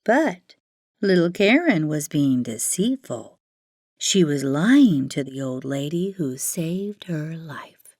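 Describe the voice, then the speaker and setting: Slow, animated woman storyteller. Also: low-pitched, no echo, studio quality. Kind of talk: expressive children's fairytale narration.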